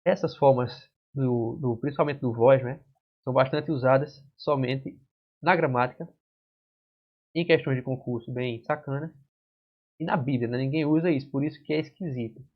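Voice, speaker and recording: A Brazilian man who teaches Portuguese for exam prep gives a whiteboard grammar lesson at a moderate pace, his mid-pitched voice husky. He explains step by step, constantly checking in with "certo?" and "né?" The classroom recording sounds dull and lo-fi.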